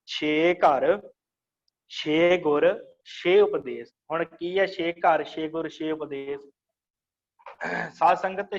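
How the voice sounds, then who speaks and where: Male religious teacher, slightly high-pitched, slow explanatory delivery; muffled lo-fi audio. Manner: explains slowly, repeats phrases to teach pronunciation. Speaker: Sikh scripture teacher. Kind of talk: online religious class.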